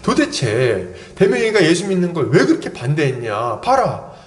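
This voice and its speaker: A man's voice: fairly high pitch, wildly swooping pitch, moderate pace. A man doing a mother teasingly scolding her husband. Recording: echoey church hall.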